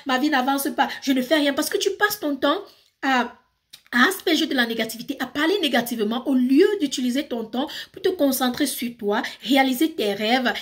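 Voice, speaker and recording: A high-pitched woman with a Cameroonian French accent delivers an emphatic motivational rant straight to her viewers. She lectures firmly and hammers her points home by repeating them. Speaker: vlogger.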